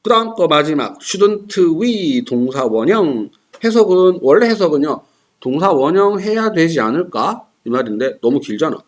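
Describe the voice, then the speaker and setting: A man's voice: fairly high pitch, big pitch swings, moderate pace. A man teaching English test strategy in a casual lecture, acting out example dialogues with playful voices.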